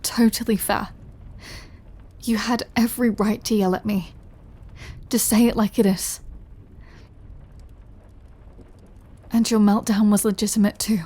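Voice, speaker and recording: Woman voicing a slow-speaking, remorseful vampire lover. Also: mid-range voice, lightly acted. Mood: apologetic, earnest. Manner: hesitant, halting, confessional, with soft breathy drops. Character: remorseful, lovesick female vampire craving her lover's blood. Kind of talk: intimate scripted audio roleplay monologue.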